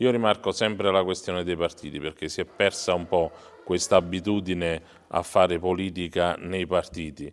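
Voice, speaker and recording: Moderate pace from a man with a very deep, low voice and fairly even intonation. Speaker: regional councillor. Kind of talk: political talk show debate. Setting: studio. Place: studio. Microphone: lapel.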